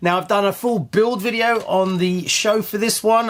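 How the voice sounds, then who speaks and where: A speaker with a British accent talks at a fairly quick pace. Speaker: RC hobby youtuber. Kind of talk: casual vlog.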